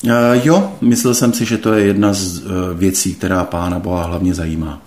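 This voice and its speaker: Deep-voiced man giving slow testimony. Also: steady tone, a little mellow. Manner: slow, hesitant, thoughtful, many pauses and fillers. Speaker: interview guest. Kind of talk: reflective personal testimony.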